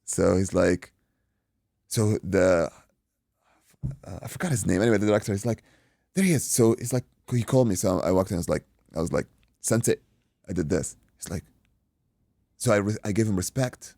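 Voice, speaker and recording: A man from Iraq, a boxing coach and guest, telling an animated story in casual chat, acting out quotes and swearing freely. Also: deep voice, moderate pace, vocal fry, pauses often, dry recording, studio quality.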